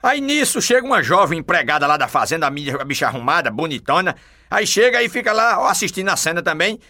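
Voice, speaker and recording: A man telling a string of raunchy jokes. His voice sits high for a man, and he keeps up a lively, folksy patter full of asides to the listener. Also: fast. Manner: lively, folksy, lots of filler calls. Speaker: joke teller.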